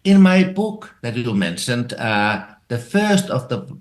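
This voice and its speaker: A man from Finland with a Finnish accent, a theology professor explaining ideas slowly with frequent hesitations in an interview. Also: mid-range voice, sing-song. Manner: slow and measured, many hesitations. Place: residence in Finland.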